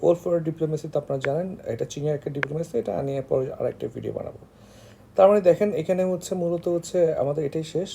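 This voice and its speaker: Male online tutor, Bangladeshi accent, very mellow tone with gravelly fry, halting informal lecture delivery. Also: a little high, a little hiss or hum. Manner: halting, with frequent hesitations and filler phrases. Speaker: online tutor for job exam candidates.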